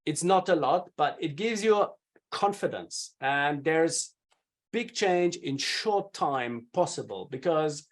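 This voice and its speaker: Energetic higher-voiced man. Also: slow pace. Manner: energetic, with emphatic repeated "yeah?" checks. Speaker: media training guest. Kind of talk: animated interview answers.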